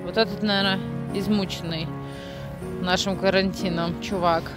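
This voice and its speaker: A young woman vlogging casually on a handheld phone, chatty and expressive, with exclamations. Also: mid-range voice, moderate pace, over loud music. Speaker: family vlogger, mother. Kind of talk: casual vlog chat to viewers.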